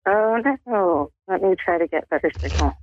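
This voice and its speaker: A woman's voice: lowish voice, normal speed, no echo. Woman caller on a breaking-up phone line. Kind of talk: call-in chat.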